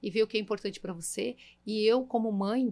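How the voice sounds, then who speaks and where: With ordinary pitch variation and a fairly high pitch, a woman talks at a moderate pace. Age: 40s. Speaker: entrepreneur, school founder. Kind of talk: interview. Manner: animated.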